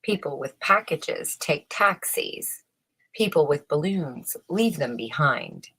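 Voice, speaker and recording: Storybook bus conductor, played by a woman: strict, officious man, husky, deliberate, clipped rule-reciting. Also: low-pitched, expressive, pushed and bright, heavily acted. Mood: stern, officious. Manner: stern, clipped, reciting rules.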